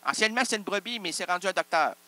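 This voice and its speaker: A man's voice: high voice, rapid-fire, pushed and bright. A man, hosting an improvised solo comedy show full of absurd, self-interrupting wordplay. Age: 30s. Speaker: host.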